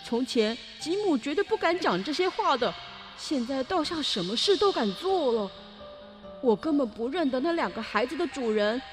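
A woman's voice: high-pitched, fairly bright tone, voice pushed up. Woman voicing a fretful young boy. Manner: hesitant, stammering, worried inner voice. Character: anxious young boy on a raft, torn by guilt. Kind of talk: children's storybook reading.

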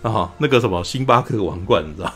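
A man's voice: lowish voice, expressive, fast, husky, faint music behind. A man, chatting casually as a podcast co-host, rambling and laughing with mild swearing. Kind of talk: casual movie review chat.

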